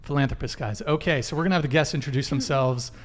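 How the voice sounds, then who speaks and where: A man's voice: mid-range voice, fast talker. A male podcast host running a live panel chat. He jokes and teases his guests in a loose, rambling way, and his voice sits in the middle range. The talk is casual and unscripted. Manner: joking, teasing, rambling with restarts.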